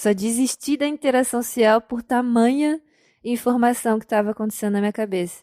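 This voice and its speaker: Soft-spoken, a woman talks with a dark, mellow tone. The sound is dry and close with no echo, on a very clean recording with a silent background. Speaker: podcast host. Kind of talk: personal testimony. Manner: casual.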